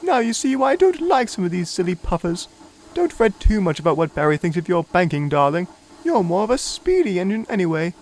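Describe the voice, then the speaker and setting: A man's voice: high-pitched, sing-song, a little fast, a little mellow, pitched above the performer's own voice. A man voicing a fussy, grand older female engine who speaks in a gushing, affected and dramatic way.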